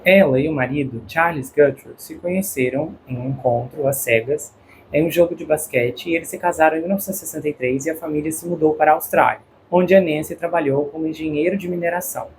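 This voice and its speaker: A man's voice: on the high side, fast talker, a little hiss or hum, low-quality recording. Brazilian man reading crime news. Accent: Brazilian Portuguese. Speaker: true crime channel host. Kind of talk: read news narration.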